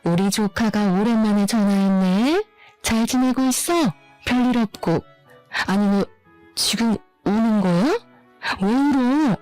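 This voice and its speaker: A protective, indignant aunt, voiced by a woman narrator. Her lines come out brisk and slightly high, with worry and resolve. The sound is close and dry. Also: a little mellow, clear, resonant tone, no echo, faint music behind, close to an everyday voice. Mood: concerned.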